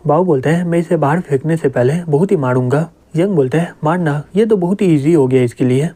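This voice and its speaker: Male narrator for a comic recap, warm low-brightness tone, reads every role in his own voice. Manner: even storytelling, "he says" before each quote. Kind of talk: scripted narration, reading every character plainly.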